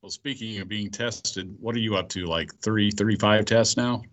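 A man's voice: lowish voice, steady tone, normal speed, a bit bright. A man hosting a casual podcast, easygoing and prompting his co-hosts. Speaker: podcast host.

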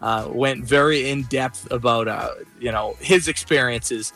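A man reporting live for a radio show, telling his experiences casually and haltingly, with repeated starts. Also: mid-range voice, bright, forceful tone, soft background music. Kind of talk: casual live on-air storytelling.

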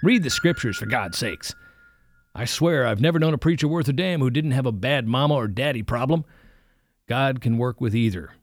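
A man voicing a blunt, gruff older male preacher with a folksy, commanding way of talking. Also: medium pitch, animated, moderate pace, no echo, voice pushed up, close to an everyday voice.

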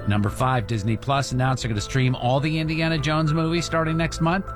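A man's voice: mid-range voice, little pitch movement, brisk. Man, radio host, joking, playful, music underneath. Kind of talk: morning radio banter, quiz host.

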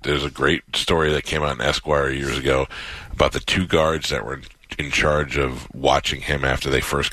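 Radio host, man, 50s, low forceful voice, rambling chatty questions, dry studio mic. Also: no echo. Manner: rambling, self-interrupting questions. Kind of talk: casual interview chat.

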